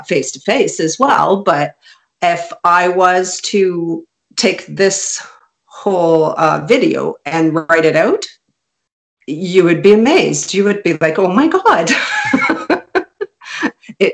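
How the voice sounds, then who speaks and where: A woman's voice: fairly low pitch, sing-song, takes it slowly, vocal fry. A middle-aged woman author from Canada, a native Hungarian speaker, chatting in an interview and laughing often. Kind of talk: casual interview chat.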